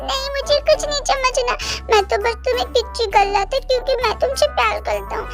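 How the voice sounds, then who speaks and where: Woman voicing a sulky man-child with a very high voice. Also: animated, a little fast, over loud music. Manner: pouty, whiny, refers to himself by pet name. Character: man with mind of a five-year-old boy, sulky and clingy. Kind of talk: storybook reading with voices.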